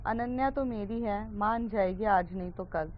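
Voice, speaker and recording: A woman's voice: mid-range voice, a little slow, close to an everyday voice. A stubborn, brooding teenage schoolboy brushes off his friend, voiced by a woman in her own voice. The recording is dull and lo-fi, with faint hiss. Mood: dismissive. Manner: dismissive, stubborn.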